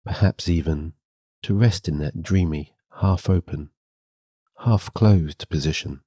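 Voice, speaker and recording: A man with an exceptionally deep, mellow voice leads a guided sleep meditation. His delivery is gentle and soothing, reading a hypnosis script with a calming, guiding manner. The sound is close and dry. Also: unhurried, husky, no room sound.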